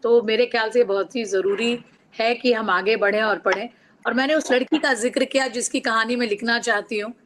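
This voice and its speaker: A woman's voice: fairly high pitch, steady tone, normal speed, background noise. Earnest middle-aged woman author from Bihar. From Bihar, India. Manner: earnest, reflective, personal anecdotes. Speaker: guest author. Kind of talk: interview answers.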